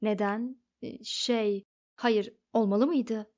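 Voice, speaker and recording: A woman doing Arthur, a shouting, panicky Englishman. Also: fairly high pitch, fairly even intonation, slow pace. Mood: confused. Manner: shouting in alarm. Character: flustered, panicky young Englishman. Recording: dull lo-fi recording.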